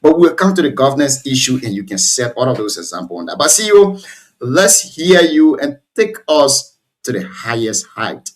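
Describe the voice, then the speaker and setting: A man's voice: medium pitch, sing-song, normal speed. A man, a guest on a talk show, speaking emphatically and repeating phrases as if lecturing. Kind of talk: casual talk show discussion.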